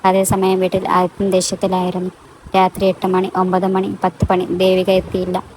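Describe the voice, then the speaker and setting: A woman narrating a romantic audio story with a calm, measured delivery. Her voice sits low and stays very level throughout. A faint background hiss runs under the reading.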